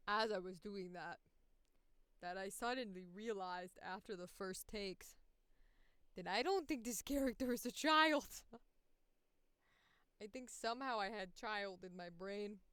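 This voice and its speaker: A woman's voice: mid-range voice, fairly bright tone, clear, resonant tone, dry recording. A woman voice actor hosting a casual livestream, sweary and self-deprecating, with a slightly tired voice.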